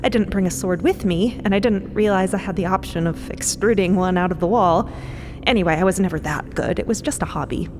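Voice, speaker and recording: A woman playing an earnest, self-conscious adventurer in an audio drama, talking in a casual, halting, awkward way. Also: on the high side, big pitch swings, noisy background. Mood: embarrassed. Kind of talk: scripted audio drama acting. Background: music.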